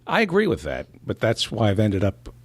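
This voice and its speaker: With a fairly low pitch and a normal speaking speed, a middle-aged comedian from New Jersey banters as a guest on a casual podcast. His humor is sardonic and self-deprecating, delivered deadpan, and no room sound is present.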